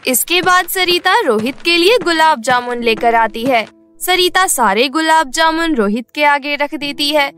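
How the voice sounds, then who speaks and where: Female storybook narrator, very high and light, steady bedtime telling. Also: unhurried, faint music behind.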